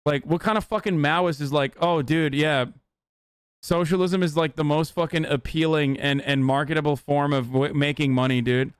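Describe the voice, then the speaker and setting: A man streamer riffs crudely and mockingly in a smooth, fairly high voice. The dry sound is close to the mic. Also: fairly even intonation, moderate pace, dry recording. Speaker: live streamer reacting to clips. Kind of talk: casual profane stream chat.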